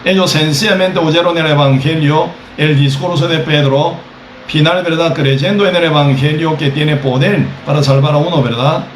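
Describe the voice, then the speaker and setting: A male preacher delivers a measured sermon, speaking with a slightly higher-than-usual voice. He keeps checking in with his listeners as he teaches. The recording sounds roomy and echoey, with faint ambient noise behind him. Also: steady tone. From Costa Rica. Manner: measured, repeats "¿verdad?" often.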